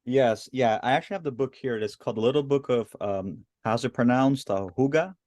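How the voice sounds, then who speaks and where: A man's voice: mid-range voice, a little fast, darkish tone, dry recording, clean studio sound. A man hosting an interview podcast, speaking with enthusiasm and rambling through restarts. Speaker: host, founder of the organization. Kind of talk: casual interview.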